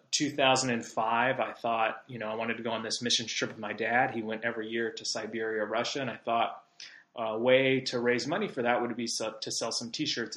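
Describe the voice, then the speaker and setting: This is a casual, rambling podcast monologue full of fillers, delivered by a Southern California host around thirty years old. He has a medium-pitched, slightly bright voice, and the sound is reverberant.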